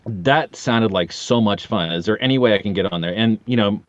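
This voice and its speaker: A man's voice: lowish voice, brisk, no room sound, lo-fi sound. A man in his forties chatting casually as a podcast guest, telling rambling, jokey anecdotes with casual swearing. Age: 40s.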